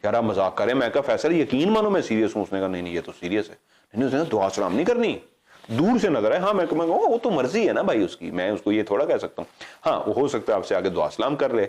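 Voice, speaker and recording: Guy, kinda low voice, chatty ghost story host, does all the voices, wanders off track. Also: quick pace. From Pakistan. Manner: animated, acts out quoted dialogue, digresses and corrects himself. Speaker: paranormal show host telling a story. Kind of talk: casual storytelling.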